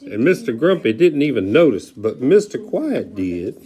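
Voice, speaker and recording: Man, dramatic storybook read-aloud, folksy, very animated intonation, chatty asides. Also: mid-range voice, moderate pace. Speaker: storyteller reading a children's book with a reading partner.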